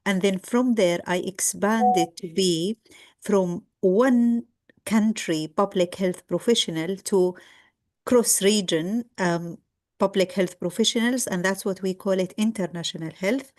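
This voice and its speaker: A middle-aged woman from Egypt gives a lecture over a video call, speaking in a measured way with frequent ums and restarts. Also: mid-range voice, darkish tone. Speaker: guest lecturer. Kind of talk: online lecture.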